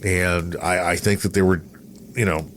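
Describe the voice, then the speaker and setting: Rambling low-voiced American man, chatting. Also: fairly even intonation, normal speed, a bit bright, slight background noise. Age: middle-aged. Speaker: podcast host, radio veteran. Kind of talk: casual chat and anecdotes.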